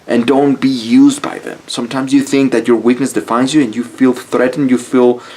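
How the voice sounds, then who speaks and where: Man, mexican spanish accent, english not his first language, blunt motivational vlog talk, swears, medium pitch. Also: flat delivery, moderate pace, warm tone. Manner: blunt, casual, swears freely. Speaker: YouTube style coach.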